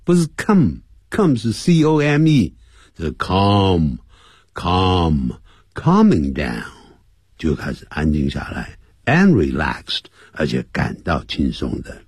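Low husky man teaching with lively swings. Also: dry recording, studio quality. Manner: explains in Chinese, repeats English phrases slowly; playful, mimics sounds. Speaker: English teacher. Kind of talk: radio English lesson. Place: radio studio.

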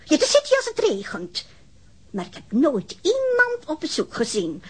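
An actress playing a chatty, nosy, easily indignant woman witness in a radio drama, rambling and insistent, with a husky voice. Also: sits high, wildly swooping pitch, moderate pace, fairly bright tone, heavily acted. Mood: gossipy, confiding.

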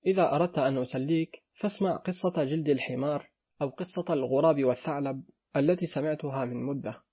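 A man voicing a sly little girl who begs her father for forgiveness, in a husky voice. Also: fairly high pitch, quick pace. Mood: innocent. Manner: pleading, childlike. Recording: dull lo-fi recording.

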